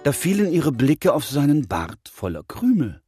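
A man reading a children's bedtime story in a gentle, expressive way. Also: on the high side, normal speed, husky, no echo, clean studio sound, soft background music. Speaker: narrator. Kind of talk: scripted storybook narration.

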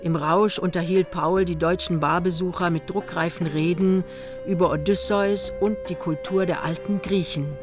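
An actress narrating a literary radio play in the third person as a storyteller. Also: female voice, fairly low pitch, steady tone, moderate pace, close to an everyday voice. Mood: measured storytelling. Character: female narrator of a young couple's holiday tale. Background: music.

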